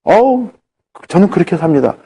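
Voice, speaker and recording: A man's voice: very animated, mellow, breathy edge, heavily acted. A man voicing a stubborn patient who loves sweet fruit and scolds when told to stop eating it. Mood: pleased, boastful. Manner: higher-pitched, scolding, drawn-out.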